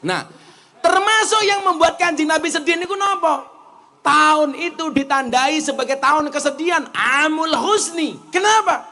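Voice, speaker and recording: A man's voice: extremely high pitch, moderate pace. A man with a Javanese accent preaching to a live audience, telling jokes and acting out stories as he switches between Javanese and Indonesian. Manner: mixes Javanese and Indonesian, jokes and animated storytelling. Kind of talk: comic Islamic sermon.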